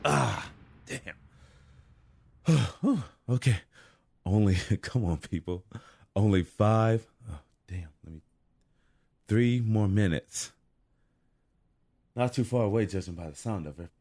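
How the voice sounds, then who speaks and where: A man's voice: on the low side, lively intonation, takes it slowly, gravelly, long pauses, warm tone, dry recording, exaggerated voice. An actor playing a weary, wry, street-smart man surviving a deadly night, muttering and sighing through an audio drama monologue. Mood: strained, muttering.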